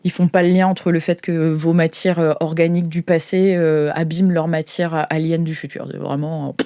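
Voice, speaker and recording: A woman's voice: sits low, level tone, normal speed, dark tone, dry recording. A woman running an improvised tabletop game as game master, narrating hesitantly as she makes things up.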